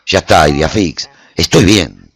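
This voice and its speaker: An actor playing a weary swordsman who narrates his post-apocalyptic adventure in a radio drama, husky and theatrical. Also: deep voice, measured pace, heavily acted. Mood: reassuring. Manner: intense, theatrical. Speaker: narrator and protagonist.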